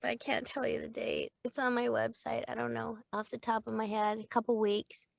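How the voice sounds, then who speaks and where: Lively, chatty middle-aged woman. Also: on the high side, fairly quick, gravelly, dry recording. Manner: lively, chatty, laughs easily. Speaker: voice actor and acting coach. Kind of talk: casual interview chat.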